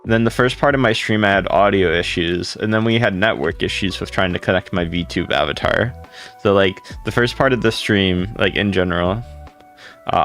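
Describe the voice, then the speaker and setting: Deep gravelly-voiced male streamer. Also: fairly bright tone. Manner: rambling, greets viewers by name. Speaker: livestreamer. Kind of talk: casual livestream chat with viewers.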